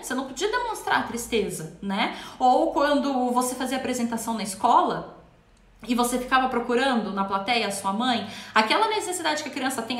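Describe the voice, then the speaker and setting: A woman's voice: high voice, a bit bright, reverberant. A woman who teaches parenting, talking to viewers in an emphatic way and repeating words for stress. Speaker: parenting educator. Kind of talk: talk to viewers.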